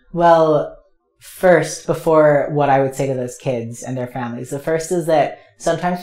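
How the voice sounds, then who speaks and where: A man speaks at a moderate pace with a dark, mellow tone and ordinary pitch variation. There is audible room echo. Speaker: interviewee. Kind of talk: interview answer. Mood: earnest, reflective. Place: studio.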